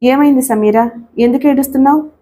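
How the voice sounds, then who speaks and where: A woman's voice: high-pitched, fairly quick, warm tone, close to an everyday voice. A woman voicing a crafty young husband who brushes off his wife and then fakes fright, in a read-aloud story. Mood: dismissive. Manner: mock-frightened.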